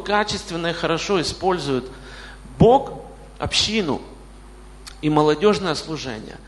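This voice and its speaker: A man in his late forties preaching a sermon in a church, often putting questions straight to the congregation. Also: a little high. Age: 40s. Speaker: pastor. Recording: reverberant hall.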